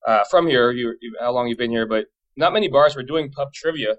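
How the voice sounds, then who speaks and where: Man, 30s, from Boston, casual interview guest, very quick informal talker. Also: mid-range voice, lo-fi sound. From Boston area, United States. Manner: chatty, informal. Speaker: interview guest, pub trivia company owner.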